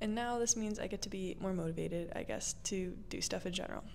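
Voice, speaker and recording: A soft-spoken woman at a very fast pace, with audible room echo. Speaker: crochet YouTuber. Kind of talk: casual vlog chat. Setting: empty art studio. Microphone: echoey room.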